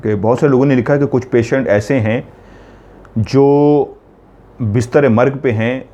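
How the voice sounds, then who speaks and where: A man's voice: mid-range voice, fairly even intonation, unhurried, mellow, highs cut off. Earnest man teaching home spiritual remedies. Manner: earnest, repetitive, step-by-step instructions. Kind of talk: instructional talk on spiritual remedies.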